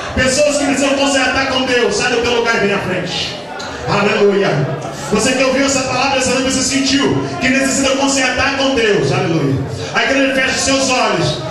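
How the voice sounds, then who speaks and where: Over noticeable background noise and strong room echo, a man with an extremely high pitch talks at a moderate pace. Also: ordinary pitch variation. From Brazil. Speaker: preacher. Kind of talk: sermon ending with an altar call. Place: church.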